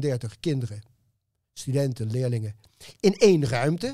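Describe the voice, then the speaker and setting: This man's voice is somewhat breathy, and the background stays quiet. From New York, US. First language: English (speaking Dutch). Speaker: professor. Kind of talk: interview. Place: studio. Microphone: studio mic.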